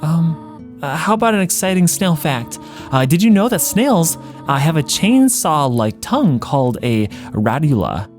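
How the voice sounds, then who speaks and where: Man as motherly female game monster, raised pitch, tender, anxious, hesitant, lively intonation. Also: measured pace, faint music behind. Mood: nervous, evasive. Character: gentle motherly woman monster, doting and anxious. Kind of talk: video game character read-along.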